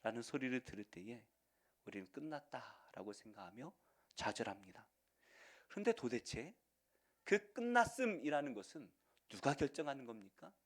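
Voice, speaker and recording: A man preaching a sermon as pastor in a church, swinging between loud proclamations and hushed, near-whispered lines. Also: medium pitch, sing-song, moderate pace. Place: church sanctuary.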